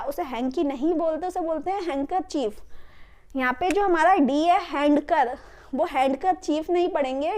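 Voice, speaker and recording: An Indian woman teaching English phrases in a lesson, explaining patiently and repeating each phrase slowly. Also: high voice, a little mellow. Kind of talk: classroom-style spoken lesson.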